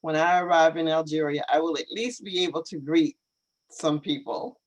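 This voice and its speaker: A woman hosting a live online English lesson, speaking carefully and encouragingly with clear articulation. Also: low-pitched, moderate pace, rough recording.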